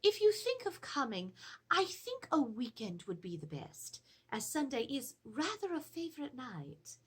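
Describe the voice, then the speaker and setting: Anxious period wife actress, dramatic letter reading, high and very lively voice, formal and theatrical. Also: female voice. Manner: theatrical, expressive, formal storytelling. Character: anxious, genteel Edwardian married lady reporting a haunting. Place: indoors, seated before a draped backdrop.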